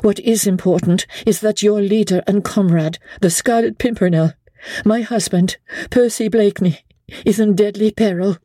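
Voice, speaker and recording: A woman's voice: mid-range voice, moderate pace, mellow, dry recording, studio quality, pitched above the performer's own voice, close to an everyday voice. A woman voicing an earnest, desperate English lady in a dramatic audiobook, urgent and resolute as she pleads. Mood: grave, resolute.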